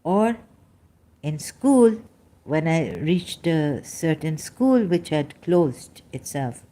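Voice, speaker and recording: A woman with a low, mellow voice talks through a personal monologue. She stops often, fills gaps with hesitations and restarts her phrases while she hunts for words. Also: expressive. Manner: halting, searches aloud for words, many fillers and restarts. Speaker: vlogger.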